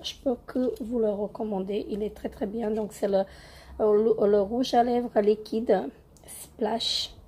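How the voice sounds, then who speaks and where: A young woman with a cold-roughened voice, hesitantly reviewing beauty products in a casual home vlog with many fillers. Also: mid-range voice, fairly even intonation, measured pace, warm tone. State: hoarse from a cold. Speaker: beauty vlogger.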